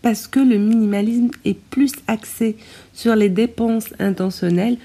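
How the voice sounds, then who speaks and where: A woman hosting an informal solo podcast, speaking hesitantly with drawn-out pauses, recorded in low quality on a tablet's built-in microphone like a poor stream. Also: fairly even intonation, dark tone. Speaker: podcast host. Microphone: tablet's built-in microphone, no proper mic.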